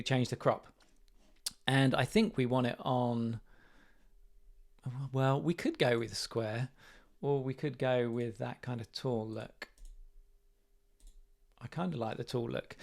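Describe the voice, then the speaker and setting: A man with a slightly croaky voice, thinking aloud and correcting himself as he demonstrates software live. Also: mid-range voice. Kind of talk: live screen-share walkthrough.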